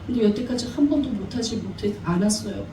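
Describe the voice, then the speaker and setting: A woman's voice: mid-range voice, quick pace, mellow, slight background noise. A woman pastor preaching a sermon in a church, exhorting her congregation and asking them questions. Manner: exhorting, asks the congregation often. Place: church sanctuary. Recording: echoey church hall, mic far off.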